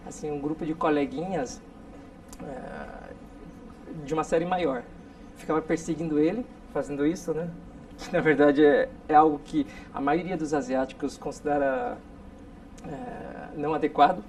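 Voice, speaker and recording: A man in his forties from South Korea, a guest telling stories in a relaxed interview with many tag questions. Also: on the high side, normal speed. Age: 40s. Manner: storytelling, frequent tag questions. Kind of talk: casual interview talk. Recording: distant mic with faint noise.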